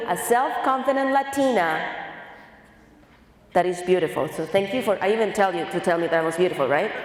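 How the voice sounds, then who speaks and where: With a Colombian accent, this speaker talks at a fairly quick pace with very wide pitch swings, over noticeable background noise and audible room echo. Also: woman. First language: Spanish. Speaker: motivational speaker. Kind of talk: motivational talk to high school students. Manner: animated.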